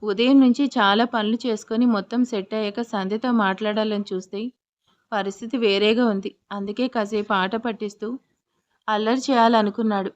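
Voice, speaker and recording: A woman narrating a romantic audio story in a gentle, expressive reading style. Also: mid-range voice, normal speed, muffled recording.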